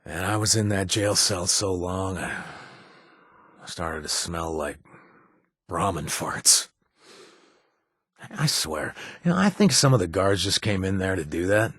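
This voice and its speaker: A sardonic ex-raider bartender in a game, low husky voice, swings up and down a lot, dry studio sound. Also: male voice, animated, a bit bright, dry recording, exaggerated voice. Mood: easygoing, wry. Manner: sardonic, self-deprecating, halting with fillers. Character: wry former raider turned bartender, young adult man. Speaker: game companion character. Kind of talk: video game voice acting. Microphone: studio mic.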